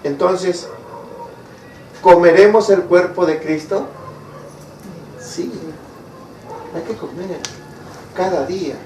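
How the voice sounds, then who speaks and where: High-voiced preacher in an echoey hall. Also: male voice, slow, long pauses, dark tone, a little hiss or hum. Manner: asks the congregation rhetorical questions. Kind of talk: sermon. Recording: echoey room, mic far off.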